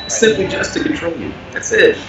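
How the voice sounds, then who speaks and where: A man speaking earnestly as an interview guest, getting animated when he makes a point. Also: on the high side, a little fast, far from the mic, a crowd in the background. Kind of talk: candid conversational interview. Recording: echoey, muffled, noisy remote audio.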